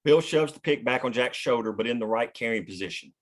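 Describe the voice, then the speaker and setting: A man's voice: mid-range voice, fast. A man reading out scripted action lines as the narrator of a screenplay table read. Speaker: stage directions reader directing the read.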